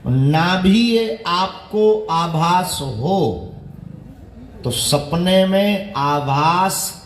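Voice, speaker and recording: A man preaches a devotional sermon at an unhurried pace, his raised voice sitting a little high. He builds his teaching through repeated rhetorical questions. The sound rings in an echoey hall, with faint ambience behind him. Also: a little hiss or hum. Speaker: spiritual teacher. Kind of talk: devotional sermon with spiritual instructions.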